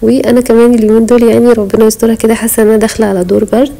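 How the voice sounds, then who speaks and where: Egyptian woman vlogger, breathless and chatty, mellow gravelly tone. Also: fairly high pitch, little pitch movement, rapid-fire, rough recording. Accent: Egyptian Arabic. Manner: chatty, pious, talks straight to viewers. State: short of breath while talking. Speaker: home vlogger. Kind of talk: casual voice-over chat. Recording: voice-over.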